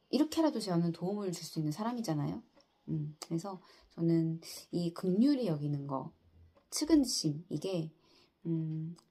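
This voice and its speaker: Middle-aged woman, earnest vlog storyteller, low mellow voice, halting delivery. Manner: soft, earnest, halting with many fillers. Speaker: insurance agent. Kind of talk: casual personal storytelling.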